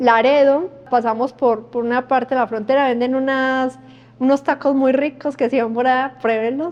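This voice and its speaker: Speaking with a paisa accent, a woman delivers her words at a moderate pace in a high pitch with a monotone, flat intonation. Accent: paisa Colombian, marked. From Colombia, Medellín (paisa). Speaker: journalist and migrant. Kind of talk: interview. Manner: quiet, reserved.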